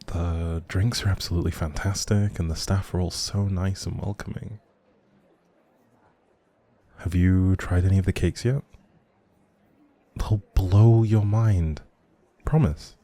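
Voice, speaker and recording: A shy, socially anxious young man, acted by a male performer in an intimate audio roleplay. His voice sits very low and mellow, with plenty of gravelly fry. He rambles in a friendly, hesitant way, quick to apologize. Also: fairly even intonation.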